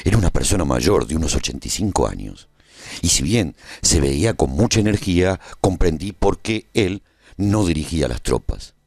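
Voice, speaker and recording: A man playing a post-apocalyptic traveller who narrates a scripted radio drama in a measured, solemn way. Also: sits low, big pitch swings, vocal fry, darkish tone, husky, no room sound, studio quality, exaggerated voice. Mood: grave storytelling. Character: male post-apocalyptic traveller recounting a war story gravely.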